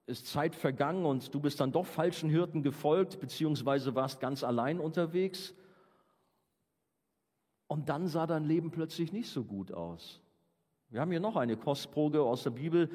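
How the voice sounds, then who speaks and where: A man's voice: on the high side, a little mellow. Earnest preacher man in a reverberant hall. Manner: earnest, rising and falling for emphasis, slows to read scripture. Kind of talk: sermon.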